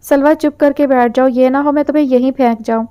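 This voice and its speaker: A cocky, quick-tempered young rich man barks orders and teases by turns, as a woman narrator reads him. The voice sits high, smooth and mellow, with no attempt to sound like someone else. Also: fairly even intonation, natural voice. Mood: angry. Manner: teasing, then curt and commanding.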